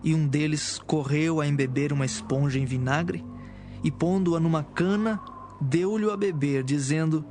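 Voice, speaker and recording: Higher-pitched man narrating scripture. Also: a little slow, a little mellow. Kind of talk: scripted audio Bible narration. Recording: music behind the voice.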